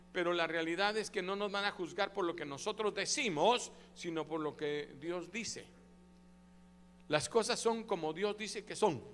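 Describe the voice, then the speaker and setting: A man preaching as pastor, emphatic and swinging between loud and soft, prompting the congregation to repeat after him. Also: high-pitched, long reverb tail, slight background noise. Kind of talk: sermon.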